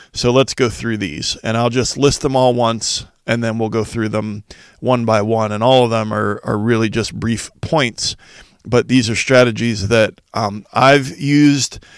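Fairly even intonation at a moderate pace from an unremarkable speaking voice. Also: man. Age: 50s. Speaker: podcast host for school leaders. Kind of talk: solo podcast monologue. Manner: conversational with frequent fillers.

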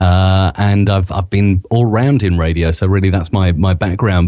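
Fairly low in pitch and dark, mellow in tone, a man with a British accent moves at a fairly quick pace with fairly even intonation. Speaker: voice-over artist and former radio presenter. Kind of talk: interview. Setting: remote call.

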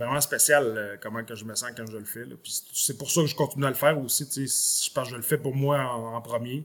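Showing big swings in loudness, a man with an unremarkable speaking voice and medium pitch speaks at a fairly quick pace with fairly even intonation. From Quebec, Beauce region. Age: 40s. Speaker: motivational speaker. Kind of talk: interview testimony.

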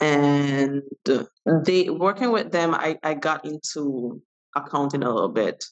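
A woman's very deep, low voice in a Jamaican accent, with lively intonation, very even loudness and a fairly slow pace. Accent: Jamaican Caribbean English. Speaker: mental health blogger and writer. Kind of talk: interview conversation.

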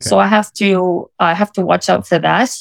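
A woman's voice, dry and close with no echo, on a very clean recording with a silent background. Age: 40s. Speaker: former school teacher. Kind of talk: casual chat.

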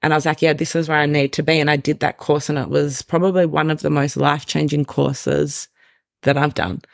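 A woman talks at a very deep, low pitch with vocal fry and fairly even intonation, keeping a fairly quick pace. The recording is very clean with a silent background, dry and close with no echo. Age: 30s. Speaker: style coach. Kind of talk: casual chat.

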